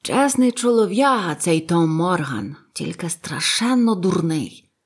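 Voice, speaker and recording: A woman voicing a loud, blustering, one-legged old male ship's cook in an audiobook. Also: lowish voice, animated, a little slow, husky, full character voice. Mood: scheming. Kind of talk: audiobook character voice.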